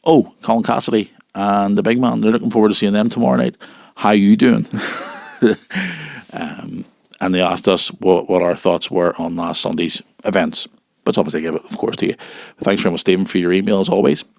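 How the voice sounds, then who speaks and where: A man with a husky voice from a cold, hosting a casual wrestling news show and chatting informally and directly to listeners. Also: lowish voice, steady tone, fairly quick, darkish tone, no room sound, studio quality. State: has a cold.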